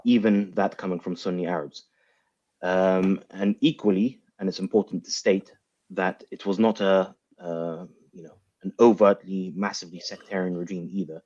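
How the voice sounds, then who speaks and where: A man's voice: deep voice, dark tone, lo-fi sound. A man speaking as a guest analyst in a political panel, thinking aloud in circling phrases and posing rhetorical questions. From grew up in the West, of Iraqi background. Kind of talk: spoken political analysis in an online panel debate.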